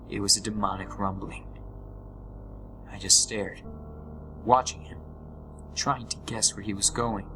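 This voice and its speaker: A man playing a haunted gamer, narrating a scripted horror story with deliberate, dramatic pauses full of dread. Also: on the low side, rough recording.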